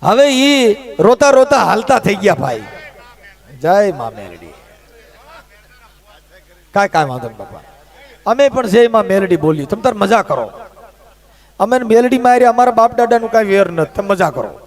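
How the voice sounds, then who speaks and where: A man's voice: high-pitched, big pitch swings, normal speed, pauses often. A middle-aged man, telling a folk tale in a rustic, chatty way, full of comic asides. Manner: rustic, chatty, acts out quoted voices. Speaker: folk humorist.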